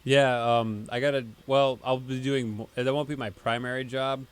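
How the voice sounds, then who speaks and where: A man co-hosting a casual podcast, explaining at length in a relaxed way with many fillers. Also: medium pitch, normal speed, clear, resonant tone. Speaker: podcast co-host, band member. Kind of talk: casual chat.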